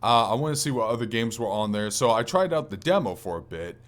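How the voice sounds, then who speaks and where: A man's voice: mid-range voice, lively intonation, quick pace. A man hosting a gaming podcast, talking in an informal, rambling way with casual swearing. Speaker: podcast host.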